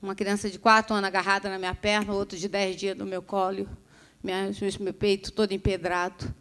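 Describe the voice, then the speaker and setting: A woman's voice: medium pitch, flat delivery, brisk, fairly bright tone, smooth. A middle-aged woman, giving a religious testimony to an audience and telling her story vividly with acted-out dialogue. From Rio de Janeiro, Brazil. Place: restaurant event hall.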